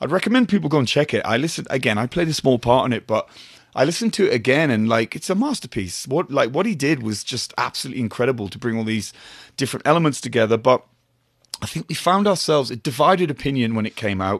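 Speaking with a northeast English accent, a man talks at a very fast pace. His pitch is medium and his intonation lively. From northeast England. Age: 40s. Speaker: music magazine editor and DJ. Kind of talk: casual interview chat. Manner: hesitant, many fillers.

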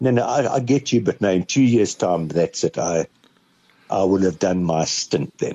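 In a normal speaking voice, a man with a fairly low pitch and lively intonation keeps a moderate pace and very even loudness. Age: 60s. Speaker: portfolio manager, markets commentator. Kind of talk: casual chat.

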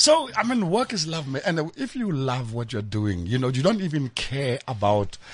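A man with a fairly high, somewhat breathy voice talks at a moderate pace with very wide pitch swings. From South Africa, Pretoria township. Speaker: veteran stage actor. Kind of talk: radio interview. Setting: radio studio.

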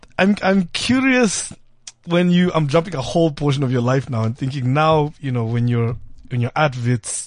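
A normal speaking voice from a man, medium in pitch, with ordinary pitch variation at a moderate pace. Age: young. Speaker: radio host. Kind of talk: radio interview. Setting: studio.

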